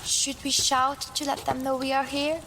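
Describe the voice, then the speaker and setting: High-voiced, teasing young snooper. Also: female voice, little pitch movement, moderate pace, over music. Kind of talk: audio drama acting.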